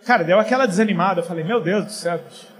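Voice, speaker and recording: A middle-aged man from Paraíba, Brazil, preaching a casual, joking sermon that swings from quiet to loud. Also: high-pitched, very fast.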